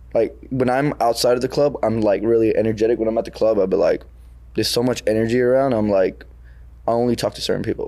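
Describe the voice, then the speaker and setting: A man speaking at a very fast pace with very even loudness. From Texas, born in Pakistan. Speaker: cannabis business co-founder. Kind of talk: casual chat. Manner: animated.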